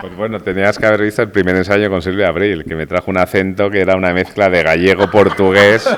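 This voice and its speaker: A man with a slight Aragonese accent speaks at a very fast pace with hardly any pauses, in a very deep, low voice. His delivery is monotone and flat, over noticeable background noise. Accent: slight Aragonese, says he has little. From Zaragoza, Aragon, Spain. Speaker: film director. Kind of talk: panel discussion.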